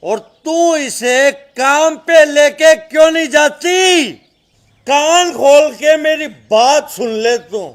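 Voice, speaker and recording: Guy acting mean drunkard dad in a family drama, really high voice, slow menacing scolding that swings all over. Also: big pitch swings, full character voice. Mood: angry, threatening. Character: cruel, threatening drunkard father bullying wife and daughter. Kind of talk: melodramatic Hindi drama acting.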